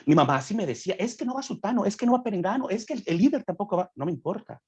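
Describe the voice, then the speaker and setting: A man's voice: sits high, lively intonation, very fast, a little mellow, husky. A young man speaking as a guest on a podcast, preaching earnestly and acting out quoted voices as he explains a point.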